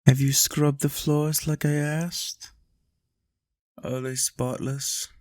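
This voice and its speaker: A man playing a possessive, doting vampire master in an intimate roleplay monologue, coaxing and teasing with soft menace. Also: a little high, little pitch movement, takes it slowly. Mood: pleased, commanding.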